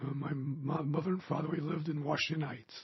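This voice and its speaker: At a fairly quick pace, a man is talking. His voice is fairly high in pitch. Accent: New York. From New York City (Manhattan). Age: 70s. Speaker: Air Force veteran. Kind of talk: casual interview. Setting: at a refurbished missile silo.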